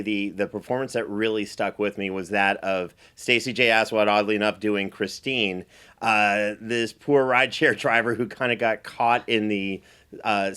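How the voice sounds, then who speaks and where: A man's voice: on the low side, fairly bright tone. A man hosting a recap interview as a producer, speaking in an enthusiastic, emphatic way. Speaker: host and producer.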